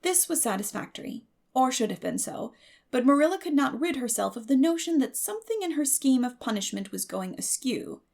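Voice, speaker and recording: A woman reading a classic story as a dramatic audiobook narrator, expressive and measured. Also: high-pitched, vocal fry.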